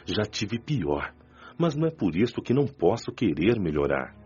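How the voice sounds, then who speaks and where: A man's voice: on the low side, very animated, normal speed. An actor voicing a polite, humble male spirit who works in a library, speaking earnestly in a radio drama. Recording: slightly dull audio. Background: soft background music.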